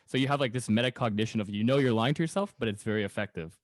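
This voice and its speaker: A man's voice: lowish voice, racing, no echo, studio quality. A man hosting a casual podcast chat, inquisitive and rambling, often repeating his words as he goes. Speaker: podcast host.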